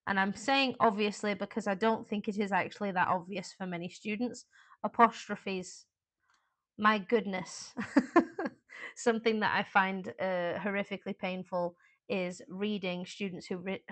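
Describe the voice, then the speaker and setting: Woman, teacher, casual live-stream lesson, conversational and mid-pitched. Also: fairly bright tone. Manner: chatty, informal, with frequent fillers and asides. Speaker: English exam teacher.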